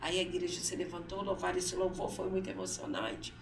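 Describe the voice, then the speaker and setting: A woman with a gravelly, creaky voice tells a personal story in an interview, acting out the words of the people in it. She sits a little away from the mic in a roomy studio, with faint background noise. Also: on the low side, flat delivery, fairly quick, far from the mic. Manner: storytelling, acts out her son's words, often repeats herself. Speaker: guest, mother. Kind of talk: emotional personal testimony in interview. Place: council studio.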